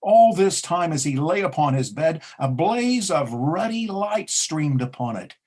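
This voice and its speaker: A man narrating a ghostly tale in a theatrical storybook style with a husky voice. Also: a little high, lively intonation, a little slow, darkish tone. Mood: dramatic.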